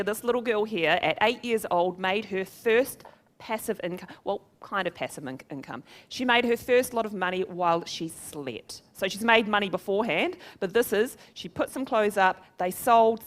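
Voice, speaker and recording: A woman's voice: medium pitch, lively intonation, normal speed, fairly bright tone. A woman with a New Zealand accent giving a live seminar talk to an audience, chatty and upbeat and laughing at her own jokes. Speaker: presenter at a business seminar.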